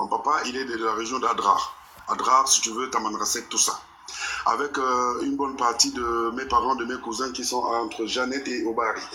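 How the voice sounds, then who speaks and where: Someone with a Tunisian accent speaks at a moderate pace over noticeable background noise. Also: man. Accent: Tunisian-tinged. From southern Algeria.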